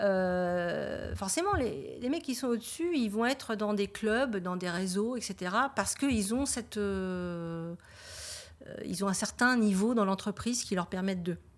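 The recording is very clean and the background silent. Her delivery, a woman's, comes at a very slow pace. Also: medium pitch for a woman, ordinary pitch variation. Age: 50s. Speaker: business development director in shipping. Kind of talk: interview. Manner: halting, many repetitions and fillers.

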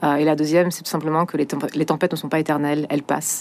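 Very deep, low pitch marks this woman's voice. Her intonation is monotone and flat. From Marseille, southern France. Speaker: pastor. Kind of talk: testimony.

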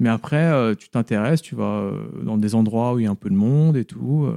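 A man's dark, mellow tone, dry and close with no echo, on a very clean recording with a silent background. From Paris suburbs, France. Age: 30s. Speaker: video director. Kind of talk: interview conversation. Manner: casual, hesitant with fillers.

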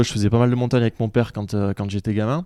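A man's medium-pitched voice with a dark, mellow tone and fairly even intonation, dry and close with no echo, over a quiet background. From southern France, Montpellier. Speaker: trekking guide. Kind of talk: casual interview conversation. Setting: home recording, shared microphone.

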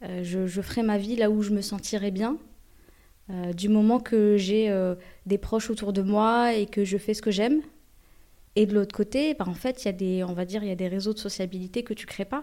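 Pausing long and often, a woman speaks at a moderate pace with a medium pitch, fairly even intonation and a dark, mellow tone. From Algeria (Blida), France from age 8. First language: Arabic (speaking French). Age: 30s. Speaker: music journalist and publisher. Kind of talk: casual interview chat.

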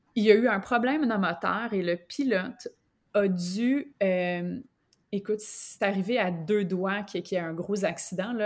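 A woman with a Quebec accent speaks at a fairly slow pace in a medium pitch. Her pitch varies in an ordinary way, and the recording is very clean with a silent background. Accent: Québécois French. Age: 40s. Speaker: yoga teacher. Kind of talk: casual interview chat.

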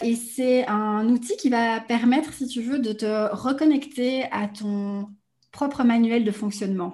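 A woman speaks at a very slow pace, her fairly high voice dark and mellow in tone. Her pitch varies in an ordinary way. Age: 30s. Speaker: life coach. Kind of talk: casual chat.

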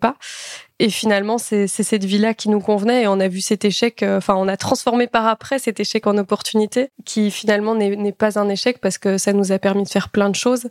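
A woman's medium-pitched, monotone voice at a fairly quick pace, in a dry, close sound with no echo. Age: 20s. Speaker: vanlife content creator. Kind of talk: podcast interview.

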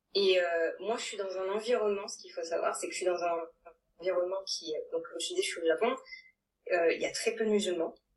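The pace is fairly quick. Loudness swings widely. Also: woman. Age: 30s. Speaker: coaching client giving testimony. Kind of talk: testimony. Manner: halting, many hesitations.

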